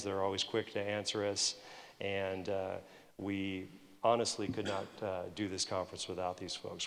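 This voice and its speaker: A man with a fairly low pitch and an American accent, talking at a moderate pace. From US South. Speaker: event manager. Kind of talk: conference announcements. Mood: warm, appreciative. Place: hall. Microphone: podium.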